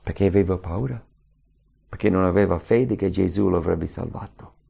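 A man preaching a sermon in an animated way, who acts out anxious inner voices. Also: low voice, normal speed, gravelly, breathy edge.

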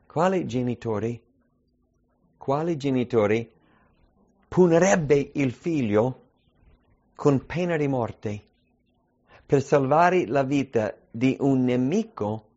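A male preacher delivers a sermon at a middle pitch and presses his points with rhetorical questions. The recording sounds dull and lo-fi. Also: slow pace, long pauses, darkish tone. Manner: emphatic, asks many rhetorical questions.

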